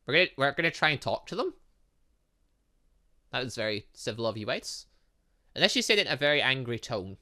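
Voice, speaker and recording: A man's voice: mid-range voice, sing-song, brisk, long pauses, pushed and bright. A man reading visual novel dialogue aloud as a gaming host, breaking off into casual asides and exclamations.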